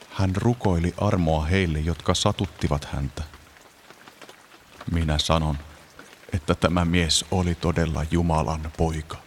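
Man as a Roman centurion, deferential, matter-of-fact, low voice, radio play. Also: slight background noise.

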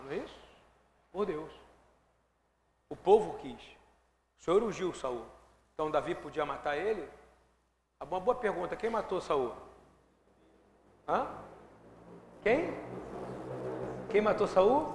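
A man preaching a sermon, swinging from hushed asides to loud, fervent declarations. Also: high-pitched, reverberant, in a large hall, a little hiss or hum.

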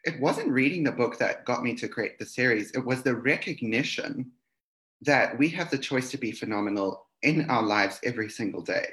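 Lively South African man laughing easily. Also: mid-range voice, moderate pace. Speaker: guest. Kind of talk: casual video-call chat. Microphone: video call.

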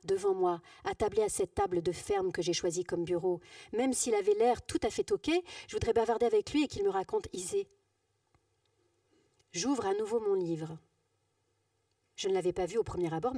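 A woman reads a first-person novel aloud, her tone mellow and warm. She is intimate and expressive, sinking at times into a near whisper and at others lifting her voice high. The sound is close and dry, with almost no room around it. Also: no echo, far from the mic. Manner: intimate, expressive, drifting between hushed whisper and raised voice. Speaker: actress reading a novel aloud. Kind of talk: literary reading. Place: live reading event.

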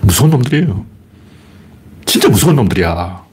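A man with a Gyeongsang accent speaks in a deeply husky, raspy voice, with pitch that swings widely as he talks. He hosts a casual livestream, greeting viewers and rambling through opinionated, mocking commentary. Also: very animated, fairly quick, darkish tone. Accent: Gyeongsang dialect. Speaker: livestream host.

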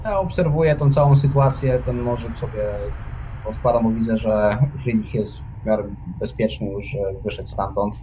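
Male tabletop gamer, average pitch, narrating his own character's moves, noisy setting. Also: normal speed, warm tone. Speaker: tabletop game player. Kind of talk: improvised role-play, describing own actions. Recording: clearly noisy background.

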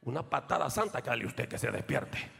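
A male pastor preaching a fiery sermon, shifting from loud shouts to quiet asides aimed at the congregation. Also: medium pitch, sing-song, brisk, creaky, big-room sound. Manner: swings between shouting and near-whispered asides, calls out to the congregation. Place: church.

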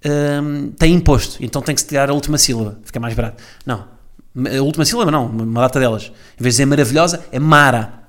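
A man's voice: medium pitch, quick pace. A man with a European Portuguese accent hosting a solo comedy podcast from home, ranting sarcastically and tossing in "right?" after his jabs. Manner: sarcastic, mocking rant with frequent tag questions. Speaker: podcast host. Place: at home, alone.

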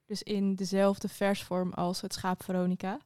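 A woman asking interview questions in a clear, direct way. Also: medium pitch, monotone, moderate pace, a little mellow, no room sound, studio quality.

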